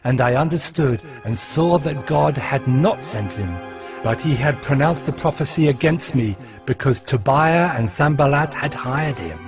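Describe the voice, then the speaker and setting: A man playing a steadfast, devout ancient governor, narrating his memoir of scripture in a solemn, measured way. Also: mid-range voice, animated. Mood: solemn, resolute. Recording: music behind the voice.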